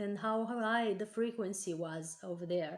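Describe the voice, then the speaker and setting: This is a woman's voice. Her intonation is lively. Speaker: breatharian teacher and workshop leader. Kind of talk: live-stream program talk. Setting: online live stream. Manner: loud; hesitant with many fillers.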